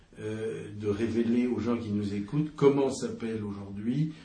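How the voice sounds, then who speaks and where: A man's somewhat breathy, dark, mellow voice at medium pitch, fairly slow, with ordinary pitch variation and audible room echo. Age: old. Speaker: political commentator. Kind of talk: radio discussion on economics.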